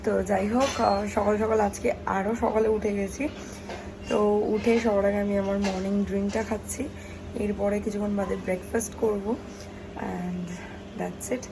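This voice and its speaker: A woman's voice: medium pitch, level tone, normal speed. Chatty young woman vlogging. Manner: chatty, mixes English phrases, many fillers. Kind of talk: casual vlog narration. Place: home kitchen indoors. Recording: faint background noise.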